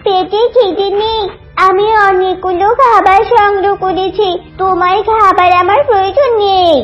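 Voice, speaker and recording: A woman's voice: very high-pitched, steady tone, normal speed, lo-fi sound, faint music behind. A woman voicing a young duckling girl in a children's cartoon, childlike and plaintive. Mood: defiant. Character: timid little duckling girl, growing brave.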